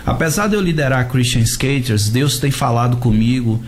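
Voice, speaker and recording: A man's voice: mid-range voice, animated, moderate pace, slight background noise. A man with a Bahian Brazilian accent, a pastor speaking as a guest in a conversational radio interview. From Salvador, Bahia, Brazil. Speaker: guest, pastor and skate ministry leader.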